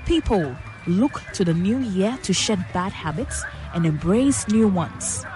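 A woman's voice: medium pitch, expressive, measured pace, poor audio. A woman with a Ghanaian accent narrating a scripted radio news report as the reporter. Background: music under the voice.

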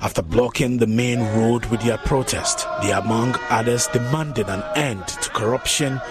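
Ghanaian reporter man over loud music. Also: mid-range voice, moderate pace. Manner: steady, descriptive. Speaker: field reporter.

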